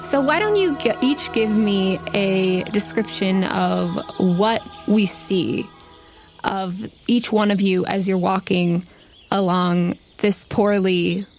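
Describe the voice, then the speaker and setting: A woman's voice: mid-range voice, slow. A woman hosting and narrating a tabletop adventure game as its game master. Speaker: game master and podcast host. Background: music behind the voice.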